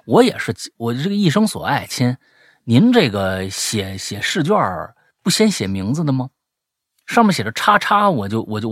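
A husky-voiced man hosts a comic chat show, reading listener letters and poking fun at them. His pitch swings widely as he jokes and feigns outrage. The sound is close and dry. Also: no echo. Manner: teasing, animated, mock-indignant. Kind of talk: comic commentary on listener stories.

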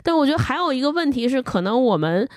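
A woman's voice: sits high, very animated, fast, no room sound, studio quality. A woman co-hosting a book podcast, reading a passage aloud and chatting in a reflective way. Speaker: podcast co-host. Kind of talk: casual chat and reading aloud.

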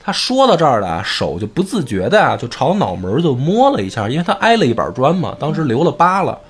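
Lively joking male storyteller. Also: medium pitch, fast, breathy edge. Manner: chatty, joking. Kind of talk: comic storytelling.

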